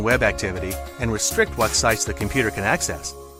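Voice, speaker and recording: Music plays in the background as a man talks at a very fast pace. His pitch swings very widely. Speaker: voice actor. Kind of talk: e-learning narration. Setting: studio. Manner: authoritative, approachable.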